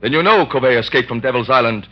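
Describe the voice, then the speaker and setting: A man's voice: medium pitch, lively intonation, fast talker, lightly acted. An actor playing a troubled male surgeon who speaks earnestly, in 1930s radio drama style. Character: worried male surgeon seeking help. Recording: dull old radio recording.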